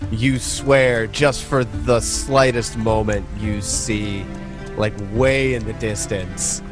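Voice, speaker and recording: A man with a lowish voice narrates a tabletop game as its game master. He improvises descriptions casually and haltingly. Music plays clearly behind him. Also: fairly even intonation.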